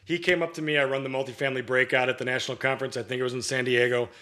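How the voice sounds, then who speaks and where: A man talking casually as a guest on a podcast, a real estate broker. He rambles through his answers, starting sentences over and winding through anecdotes. His voice sits at an ordinary middle pitch. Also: flat delivery, very fast, sharp tone. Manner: long-winded, storytelling, with many restarts.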